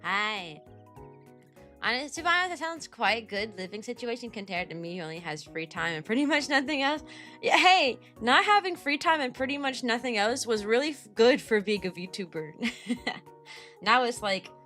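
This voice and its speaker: A young woman streaming and chatting casually with her viewers, her voice raspy and tired from teaching, greeting viewers by name in quick bursts. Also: on the high side, animated, sharp tone, faint music behind. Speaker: VTuber streamer.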